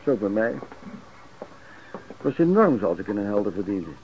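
An actor playing a wary, self-reliant travelling peddler in a radio play, with a Netherlands Dutch accent. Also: male voice, lowish voice, very animated, normal speed, a little mellow, a little hiss or hum. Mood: reflective. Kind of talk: radio drama, first-person narration and dialogue. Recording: dull lo-fi old radio recording.

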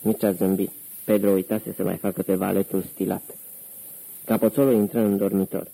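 A man narrating an audiobook in steady, even scripted storytelling. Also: sits low, creaky, low-quality recording.

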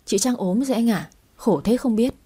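A woman's voice: on the high side, lively intonation, normal speed, warm tone, breathy edge. A woman voicing a young, outspoken female coworker who loves to gossip. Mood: gossipy. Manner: gossipy, blunt, chatty.

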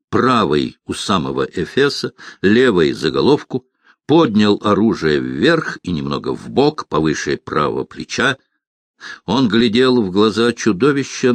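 Male audiobook narrator, unhurried and expressive, dry close-mic studio read. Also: on the low side, no room sound. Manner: measured, expressive storytelling. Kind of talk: scripted fantasy narration.

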